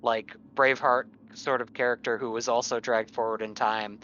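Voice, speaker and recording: A man's voice: medium pitch, level tone, moderate pace, fairly bright tone. A man with a mid-range voice chats as a game player, rambling wryly and off the cuff. The recording is dull and lo-fi with faint noise. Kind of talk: casual, off-the-cuff chat.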